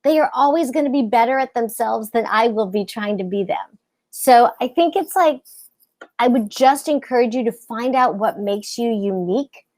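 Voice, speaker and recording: A woman with a squeaky, high voice giving encouraging career advice on a video call, laughing often. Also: normal speed, darkish tone. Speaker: guest actress.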